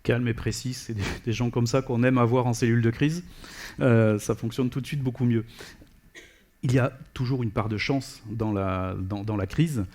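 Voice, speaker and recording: A man's voice: mid-range voice, fairly even intonation, normal speed, a little mellow. A man acting as interviewer at an event, summing up off the cuff and putting questions to his guest. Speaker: interviewer, moderator.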